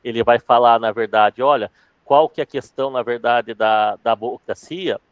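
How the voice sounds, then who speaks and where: A man teaching sales in a casual live class, talking fast and eagerly, often restarting his sentences. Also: mid-range voice, smooth, no room sound, dull audio. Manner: fast-talking, calls himself accelerated. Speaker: sales trainer.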